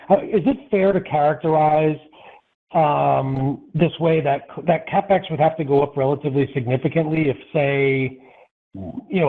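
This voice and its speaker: A man speaking as a financial analyst, putting unscripted questions in a hesitant, roundabout way. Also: mid-range voice. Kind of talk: unscripted earnings call question. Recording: phone-like conference call line.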